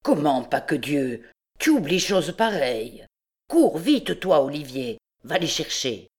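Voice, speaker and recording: A scheming, suspicious old king, brooding one moment and commanding the next, voiced by a woman reading an audiobook. The voice sits low and dark, with measured authority. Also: expressive, husky, heavily acted. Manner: musing, then barking orders.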